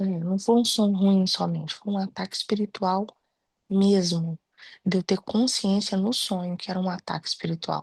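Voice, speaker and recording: A woman talks at a moderate pace and medium pitch, her intonation monotone and flat. Her voice is somewhat breathy, the sound dry and close with no echo against a quiet background. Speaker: participant. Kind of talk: casual chat. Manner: speaking quietly.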